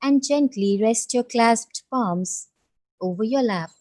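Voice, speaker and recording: A woman leading a guided meditation, giving gentle, soothing instructions with long pauses. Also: fairly high pitch.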